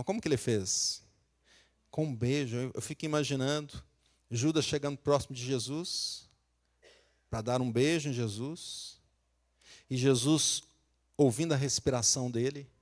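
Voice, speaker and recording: A man's voice: mid-range voice, darkish tone. A Brazilian man from Minas Gerais preaching a sermon as pastor, talking conversationally, asking the congregation questions and acting out quotes. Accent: Brazilian Portuguese, Minas Gerais.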